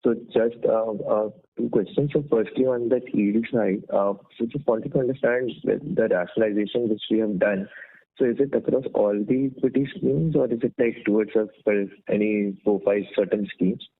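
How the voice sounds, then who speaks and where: A man's voice: fairly low pitch, moderate pace. A man with an Indian accent asking questions as an analyst on an earnings call, polite and hesitant. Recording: thin narrow-band phone line.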